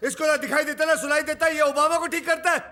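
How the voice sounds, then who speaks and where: A man's voice: very high voice, normal speed, bright, forceful tone. An actor playing a frantic young man who keeps hearing chants, pleading with a doctor in mixed Hindi and English. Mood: angry. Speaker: film actor who hears mantras.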